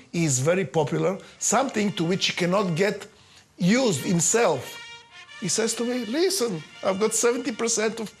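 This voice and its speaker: A man's voice: high-pitched, husky. A man giving earnest, explanatory commentary in a documentary interview.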